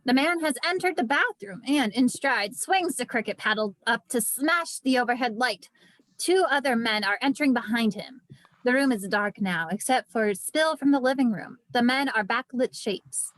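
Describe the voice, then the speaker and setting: A woman's voice: on the high side, animated, moderate pace, fairly bright tone, dry recording, low-quality recording. A woman narrating scripted stage directions at an amateur table read.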